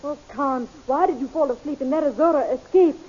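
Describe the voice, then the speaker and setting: Young heroine princess actress, high, earnest and urgent, muffled 1930s radio adventure melodrama. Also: female voice, fairly quick, a little mellow, a little hiss or hum, natural voice. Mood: urgent, alarmed. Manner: urgent, theatrical. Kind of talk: 1930s radio serial acting.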